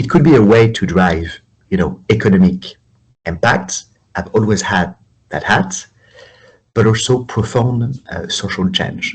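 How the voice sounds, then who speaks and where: In a strong French accent, a man speaks at a fairly slow pace with long, frequent pauses. His fairly low, somewhat breathy voice carries lively intonation. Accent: heavy French. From France. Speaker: startup founder and CEO. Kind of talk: interview conversation.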